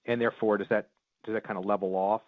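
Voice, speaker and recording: A man's voice: on the low side, flat delivery, fast talker, no echo. A man asking a question as a financial analyst calling in to an earnings call. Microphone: phone line. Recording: tinny, dry phone line.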